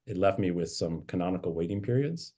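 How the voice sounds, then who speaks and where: A man's voice: deep voice, expressive, brisk, mellow. A man, a bishop, reflectively telling anecdotes from his life in a conversational interview. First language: English. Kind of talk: interview storytelling.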